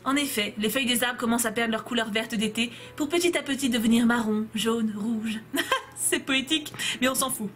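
A young woman let's player speaks at a moderate pace in a slightly high, fairly bright voice, with faint music behind her. Playing a story game, she reads all the characters in her own voice and chats playfully with viewers between scenes.

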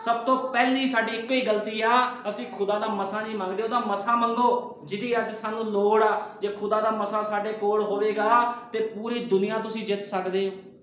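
A man's voice: sits high, level tone, moderate pace, a bit bright. A pastor, a man, preaching a sermon full of rhetorical questions. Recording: very echoey room.

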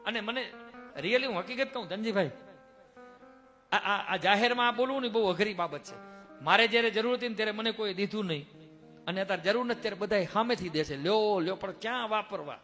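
High-voiced preacher. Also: male voice, brisk, bright, forceful tone, soft background music. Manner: earnest, homely storytelling with village sayings. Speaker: temple head giving a satsang. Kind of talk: folk storytelling sermon.

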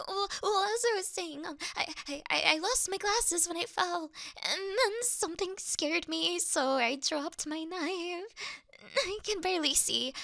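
A woman's voice: very high voice, bright, forceful tone, no echo, clean studio sound, full character voice. A woman voicing a clumsy, easily scared young female thief who acts tough in an ASMR roleplay, flustered, pouty and stammering.

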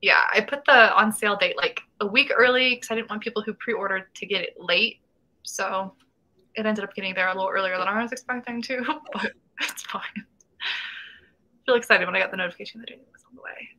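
A woman's voice: mid-range voice, fairly even intonation, a little fast, sharp tone, rough recording. A woman in her twenties hosting a casual writing livestream from home, reading chat comments aloud and laughing often. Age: 20s. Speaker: host. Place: small room at home, indoors. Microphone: webcam video call.

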